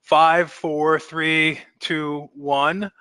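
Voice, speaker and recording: A man's voice: fairly high pitch, flat delivery, drawn-out words, sharp tone, smooth, no echo. Man, webinar moderator, upbeat, filler-heavy, dry close sound. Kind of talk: webinar hosting.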